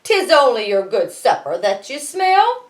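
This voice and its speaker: An anxious, good-hearted giant's wife from a storybook, as a woman reader puts her on. She speaks with hurried urgency in a fairly high, very lively voice. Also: distant mic. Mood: anxious coaxing.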